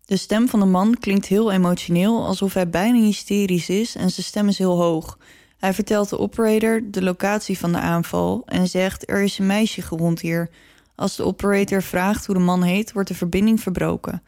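A woman's voice: medium pitch, steady tone, normal speed, few pauses, a little mellow, dry recording. A woman with a mid-range voice tells a story as a podcast host. Her delivery is conversational, like recounting events to a friend. The sound is dry, with very little room in it. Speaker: true-crime podcast host.

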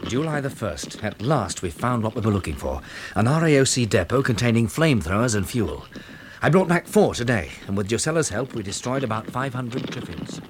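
An actor playing a stoical, dry-humoured British farmer survivor in a 1960s radio drama, clipped and matter-of-fact. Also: male voice, medium pitch, sing-song, fairly quick, natural voice. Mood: sober, reflective. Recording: noisy vintage radio drama recording.

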